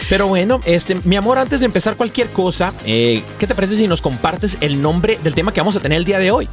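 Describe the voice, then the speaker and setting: A man's voice: sits high, expressive, a little fast, music in the background. A man with a Mexican accent co-hosting a casual religious radio show, joking playfully in colloquial slang.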